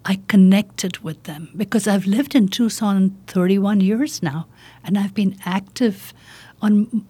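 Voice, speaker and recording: A woman in her fifties with a slight South Asian accent, answering as a political candidate in an interview, earnest and deliberate in short phrases. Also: medium pitch, warm tone, husky. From India and Pakistan. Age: 50s.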